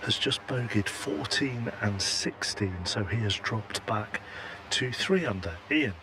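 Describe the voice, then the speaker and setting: A man's voice: fairly low pitch, animated, takes it slowly, bright, forceful tone. A man working as a live golf commentator in a broadcast style. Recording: faint background noise and hum.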